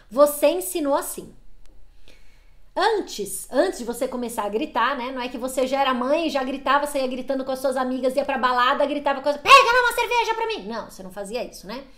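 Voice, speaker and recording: A woman coaching parents in casual advice talk, earnest, often acting out short parent and child lines. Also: high voice. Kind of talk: talking to camera, advice talk.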